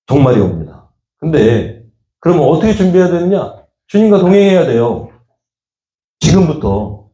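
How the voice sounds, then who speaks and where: A middle-aged man preaches a sermon as pastor, chatting with his congregation and slipping into the voices of the people in his examples. His tone is mellow and dark, and his pitch swings widely. The sound is roomy, as in a church hall. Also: big pitch swings, normal speed, long pauses, lo-fi sound. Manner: conversational preaching, acting out quoted voices with rising pitch. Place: church sanctuary. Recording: echoey church room.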